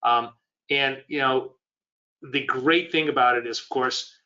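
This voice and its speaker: A man's voice: mid-range voice, steady tone, measured pace, pushed and bright, dull audio. A man with a cold and a scratchy voice, teaching trading in a live webinar, talking loosely and quizzing his viewers. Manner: rambling, conversational, quizzes the audience. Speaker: trading educator.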